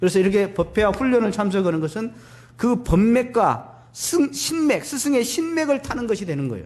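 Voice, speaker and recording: Audible room echo surrounds a man at a moderate pace. His voice has very wide pitch swings. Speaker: Won Buddhist minister. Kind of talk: sermon. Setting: dharma service hall with live audience. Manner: animated.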